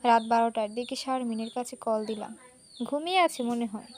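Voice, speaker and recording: A woman narrating a romantic short story in a lively, conversational reading style. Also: fairly high pitch, normal speed.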